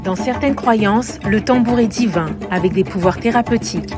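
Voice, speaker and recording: Woman, news voice-over, measured lyrical reading, faint music behind. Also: mid-range voice. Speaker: reporter. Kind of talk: scripted news narration.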